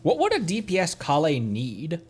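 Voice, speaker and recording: A man livestreaming a game talks to himself in a casual, playful, giggly way while game music plays behind him. His fairly high voice swings hugely in pitch, has a breathy edge and moves at a normal speed.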